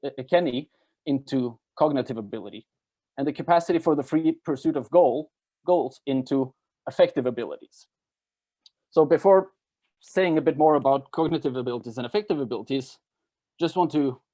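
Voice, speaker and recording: Mellow-voiced man giving a lecture. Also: mid-range voice. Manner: explanatory, halting with self-corrections. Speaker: academic presenter. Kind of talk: academic lecture at a workshop.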